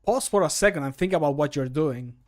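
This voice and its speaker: A man's voice: fairly high pitch, expressive, brisk, a little mellow, natural voice. Man voicing a punning, mock-sincere fantasy game character. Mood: admonishing. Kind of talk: scripted game voice lines.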